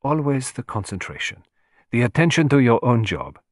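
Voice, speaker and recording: A man's voice: medium pitch, very animated, normal speed, no echo, clean studio sound, close to an everyday voice. A man voicing a vain, fussy little male detective who speaks in a courtly, self-satisfied and precise way. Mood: musing.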